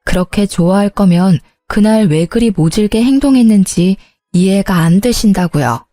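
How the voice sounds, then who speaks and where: A woman's voice: medium pitch, moderate pace, dark tone, no room sound, clean studio sound, faint music behind. A woman narrating her own story in the first person, in a resentful, confessional tone.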